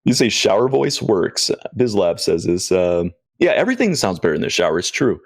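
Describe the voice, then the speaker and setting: A man's voice: deep voice, big pitch swings, fairly quick, no echo, studio quality. A man hosting a casual chat show, laid-back and reading out viewer comments. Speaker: podcast host reading chat.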